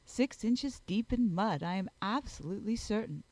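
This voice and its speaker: Woman as a snobbish, disapproving society wife, animated. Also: medium pitch, normal speed, no room sound, natural voice. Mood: indignant.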